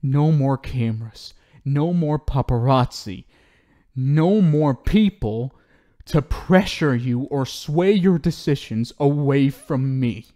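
A man's voice: medium pitch, slow pace, warm tone, lightly acted. A man playing an obsessive, unhinged talk show host in an ASMR roleplay, cooing and theatrical, syrupy and menacing. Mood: coaxing. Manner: cooing, theatrical, swinging between sweet pet names and pleading. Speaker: audio roleplay performer.

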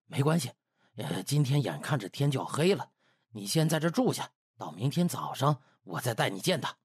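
A man's voice: mid-range voice, big pitch swings, moderate pace, gravelly, breathy edge, heavily acted. A man voicing an obliging, evasive household butler in an audiobook, hesitant and ingratiating. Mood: flustered, covering up.

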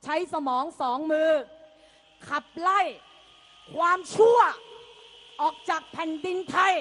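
A young woman, a student, giving an impassioned rally speech, often shouting and mocking her opponents while she rouses the crowd. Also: very high-pitched, measured pace, slight background noise. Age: young adult. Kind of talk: fiery political rally speech.

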